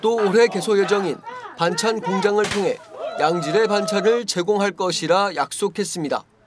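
Over noticeable background noise, a man with a high pitch keeps his loudness very even, talking at a moderate pace with ordinary pitch variation. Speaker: news reporter. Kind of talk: TV news report narration.

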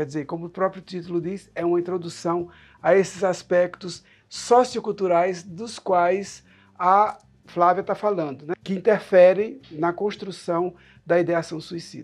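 The man's pitch is high and his intonation fairly even. He speaks at a fairly slow pace. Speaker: interview show host. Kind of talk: interview, host intro and questions. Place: home room.

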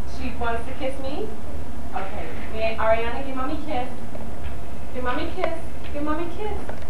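Here a woman talks at a fairly quick pace. Noticeable background noise and audible room echo surround her voice. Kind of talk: baby talk to a child. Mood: warm, playful. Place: home room. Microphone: old recording.

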